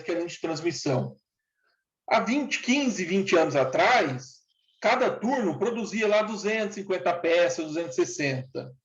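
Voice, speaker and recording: Man, 40s, interviewee; plain-spoken and earnest, dull lo-fi recording. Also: high voice. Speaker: interviewee, former factory worker. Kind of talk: casual interview talk. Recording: echoey room, dull lo-fi sound.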